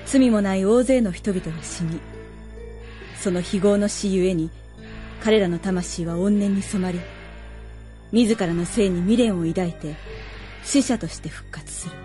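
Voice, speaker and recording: Woman as a mellow, solemn warrior goddess. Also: medium pitch, faint music behind, natural voice. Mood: grave. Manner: grave, formal, measured. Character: solemn, composed battle goddess, a valkyrie. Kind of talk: Japanese radio drama acting.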